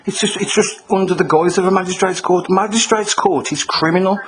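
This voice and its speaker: A man's voice: high-pitched, steady tone, a little fast, low-quality recording. A man with a Black Country accent making a complaint by phone, talking in an insistent, argumentative and informal way, often repeating himself.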